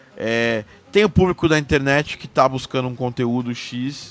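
This man speaks at a medium pitch. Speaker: indie game developer. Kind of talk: casual chat. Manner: halting, repeats words.

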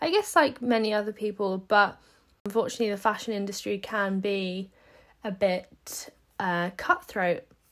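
Speaking at a medium pitch, a woman talks with a London accent. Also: ordinary pitch variation, moderate pace, very clean recording, silent background. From London, England. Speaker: podcast host, fashion student. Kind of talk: solo podcast monologue.

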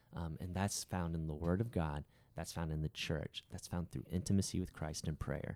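Very deep and low in pitch, a man speaks at a moderate pace with a dark, mellow tone and fairly even intonation, recorded dry and close with no echo. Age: 20s. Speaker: youth ministry podcast host. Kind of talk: casual chat.

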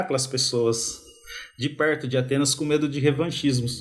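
A man speaks at a fairly quick pace in a fairly high pitch while music plays in the background. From Brazil. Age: 30s. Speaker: classics professor. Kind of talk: casual interview chat.

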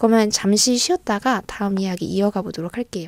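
A woman's voice at medium pitch. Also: very clean recording, silent background. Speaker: community radio co-host. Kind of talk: scripted segment announcements; casual radio talk show. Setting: radio studio. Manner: low-energy voice.

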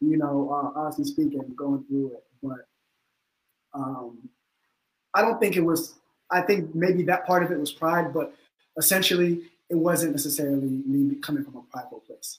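This man's fairly high voice moves at a moderate pace, with long, frequent pauses, ordinary pitch variation and big swings in loudness. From US East Coast (Maryland), with childhood years in Ghana. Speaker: former Freemason sharing his testimony. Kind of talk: testimony in an interview.

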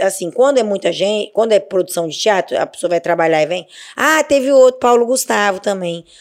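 A woman's voice at medium pitch, a normal speaking voice, with lively intonation and a fairly quick pace. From Brazil, Espírito Santo (Vila Velha). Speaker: chef. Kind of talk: interview.

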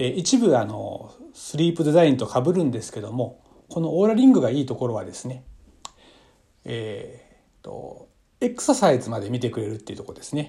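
A man's somewhat breathy, dark and mellow voice at medium pitch, with big swings in loudness, lively intonation and a fairly quick pace. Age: 40s. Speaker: salesman podcaster. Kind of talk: casual monologue. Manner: halting, many fillers.

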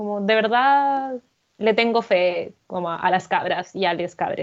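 A woman's voice sits at a medium pitch and moves through an ordinary range of pitch. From Santiago, Chile. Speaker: university student. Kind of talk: casual chat.

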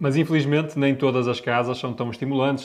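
A man with an unremarkable speaking voice, fairly even intonation and a moderate pace. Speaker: podcast host. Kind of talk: interview conversation.

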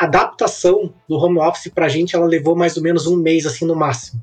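A man speaks in a high voice with fairly even intonation, hardly any pauses and very even loudness. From Brazil, Paraná (São José dos Pinhais). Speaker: startup sales director. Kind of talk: casual chat.

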